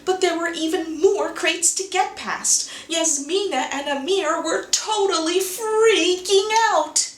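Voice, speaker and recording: A woman in an animated, playful read-along style, speaking expressively to young children in a roomy home recording. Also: extremely high pitch, takes it slowly, few pauses. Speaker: children's show co-creator reading a picture book aloud.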